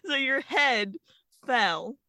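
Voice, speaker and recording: A woman's voice: high voice, lively intonation, extremely slow, sharp tone, no echo. A young woman co-hosting a podcast over a video call, chatting casually and laughing often. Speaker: podcast co-host. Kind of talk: casual chat.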